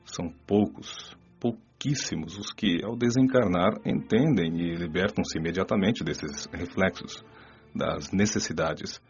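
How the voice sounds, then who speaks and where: An actor voicing a wise, patient male spirit mentor who explains things calmly in a radio drama. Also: deep voice, unhurried. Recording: slightly dull audio. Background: soft background music.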